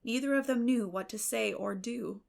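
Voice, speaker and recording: Female audiobook narrator: fairly high voice, creaky edge, measured and expressive storybook reading.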